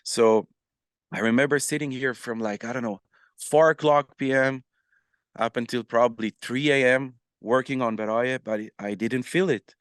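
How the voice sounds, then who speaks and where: A man with a smooth, resonant voice tells his story as a podcast guest. He talks in an animated, casual way, with plenty of fillers and restarts. The sound is dry and close, with no room echo. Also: mid-range voice, normal speed. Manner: animated, many fillers and restarts, acts out quoted messages. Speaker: podcast guest, musician and influencer.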